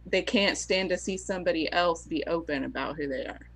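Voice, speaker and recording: A woman's voice: on the low side, fairly quick, creaky, fairly bright tone, dry recording, rough recording. A woman talking casually as a panelist in a group discussion. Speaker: podcast panelist.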